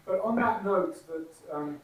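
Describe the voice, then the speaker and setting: A man's voice: high-pitched, unhurried. A man hosting a panel, polite and tentative as he asks his questions. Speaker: host. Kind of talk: panel moderation. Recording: echoey, distant from the mic.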